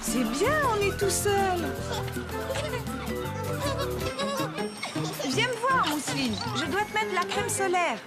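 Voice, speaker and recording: A woman's voice: very high voice, big pitch swings, moderate pace. A woman playing a kind, patient mother in a children's cartoon dub, coaxing and reassuring as she speaks. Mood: caring. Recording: loud music behind the voice.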